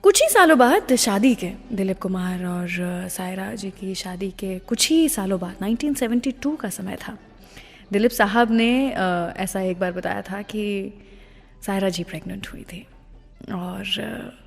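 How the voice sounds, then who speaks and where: A woman's voice: mid-range voice, animated, unhurried, gravelly. Woman radio host in long reverb, music behind. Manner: mixes English phrases into Hindi. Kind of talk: conversational Hindi radio presenting with storytelling. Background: music playing under the voice.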